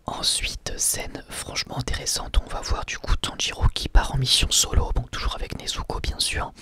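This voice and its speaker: A man whispering a casual ASMR review, soft and hesitant, with many small pauses and fillers.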